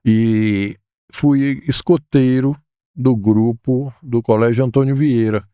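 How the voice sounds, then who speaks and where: A man, a guest recalling his life in a thoughtful, hesitant way with many pauses and fillers. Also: mid-range voice, steady tone, dark tone, clear, resonant tone, no echo, clean studio sound. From Salvador, Bahia, Brazil. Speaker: guest, educator. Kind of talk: relaxed interview conversation.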